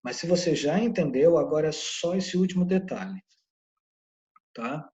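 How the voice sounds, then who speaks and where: A man with a Brazilian Portuguese accent explaining English grammar casually, often checking in with the learner and drawling example phrases slowly. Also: fairly high pitch, darkish tone. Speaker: English teacher. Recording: dull lo-fi recording.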